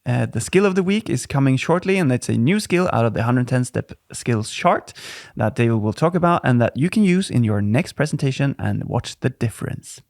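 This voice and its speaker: A man's voice: mid-range voice, expressive, brisk, gravelly, few pauses, darkish tone, dry recording. A man co-hosting a podcast who mostly asks short questions into a studio mic. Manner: brief interjections and questions. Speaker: podcast co-host. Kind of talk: casual podcast chat. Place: dim studio with warm lamps. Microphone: studio mic on boom arm.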